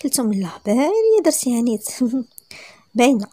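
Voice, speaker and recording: A woman's voice: a little high, very animated, normal speed, mellow, dry recording. A woman voicing a knowing, teasing older woman in a story, with a Moroccan accent and sly, suspicious manner. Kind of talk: storytelling with acted dialogue.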